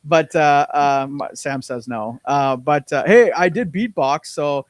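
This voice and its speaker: A man's voice: fairly high pitch, slow pace, no room sound. A man co-hosting a business podcast in casual chat, rambling with lots of fillers and repeated words, on a close mic. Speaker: podcast co-host.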